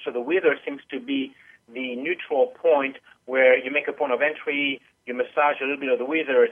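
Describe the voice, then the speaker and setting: A man speaks over a narrow, tinny phone connection. His pitch sits mid-range, and he explains things step by step with small hesitations. He is a teacher being interviewed on the radio. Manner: patient, explanatory, with frequent uh fillers. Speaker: guest animal massage teacher. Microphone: phone call.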